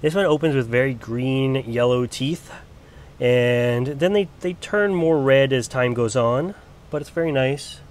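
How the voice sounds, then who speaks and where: A man's voice: mid-range voice, a little slow. A man getting over a cold, chatting loosely with lots of ums as he films his plant collection. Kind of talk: casual filmed walk-through. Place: indoor grow area under bright lights.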